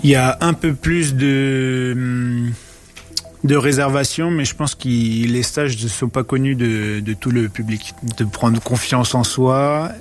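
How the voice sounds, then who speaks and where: A man's voice: mid-range voice, fairly even intonation, slow, faint music behind. A man who works as a lifeguard, speaking in a news report clip, hesitant and searching for words. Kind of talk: recorded news interview clip.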